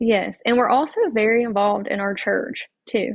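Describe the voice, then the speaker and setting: A woman with a slight Georgia accent talks at a moderate pace. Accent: slight Southern (Georgia). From US South, West Georgia. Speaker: bereaved mother. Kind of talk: interview testimony.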